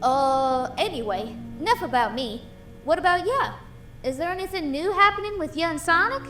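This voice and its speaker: Casting: woman as scrappy yet bashful cartoon lady boxer, fairly high, highly expressive, faint music behind. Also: moderate pace. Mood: flustered. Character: tough but bashful female professional boxer, cartoon animal. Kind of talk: audio drama acting.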